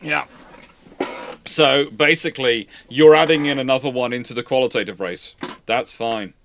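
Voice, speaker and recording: A man speaks as the host of a live question-and-answer talk, in a mid-pitched voice. He explains off the cuff with animated emphasis, often doubling back to rephrase his sentences. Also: moderate pace, vocal fry, slight background noise. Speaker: host of naval history live Q&A.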